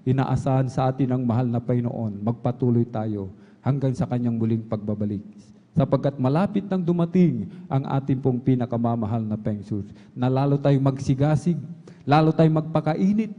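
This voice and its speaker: A man preaching a fervent sermon, repeating refrains and rising to shouts. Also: medium pitch, moderate pace. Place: large church hall. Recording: long hall reverb, dull lo-fi sound.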